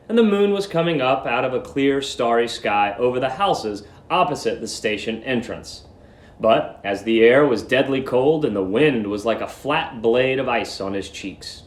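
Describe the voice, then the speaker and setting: A man with a mid-range voice speaks as a teacher leading a live reading. His delivery is that of someone presenting and narrating a story to students. The room adds a clear echo around the voice. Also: mid-range voice, lively intonation, normal speed. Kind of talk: live read-aloud lesson, dramatic story narration. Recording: roomy echo.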